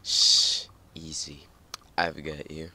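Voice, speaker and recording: A man voicing a dark, seductive male black hedgehog, speaking low, soft and teasing. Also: measured pace. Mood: soothing.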